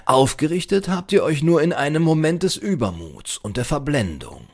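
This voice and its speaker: A man's voice: fairly high pitch, very animated, moderate pace, vocal fry, a little mellow, voice pushed up, full character voice. A man voicing a preachy, self-certain old librarian in a storybook, with a pompous, archaic, lecturing manner. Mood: reproachful, certain.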